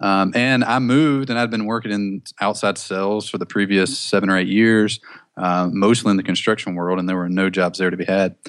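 Over a quiet background, a man talks fairly quickly at a fairly low pitch, his intonation fairly even. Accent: Southern US. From Mobile, Alabama. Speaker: online entrepreneur. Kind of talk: interview.

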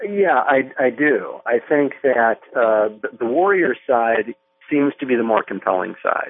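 A man's normal speaking voice, medium in pitch, with lively intonation at a fairly slow pace. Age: 50s. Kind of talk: phone interview. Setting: phone call.

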